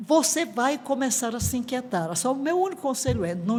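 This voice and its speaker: At a moderate pace, a woman talks with a fairly high pitch, very wide pitch swings and vocal fry. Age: 70s. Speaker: pastor. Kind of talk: testimony.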